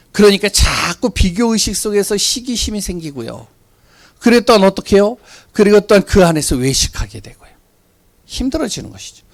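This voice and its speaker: With a high voice, this man preaches as a pastor, telling stories animatedly and posing rhetorical questions. Every so often he drops without warning to a quiet tone.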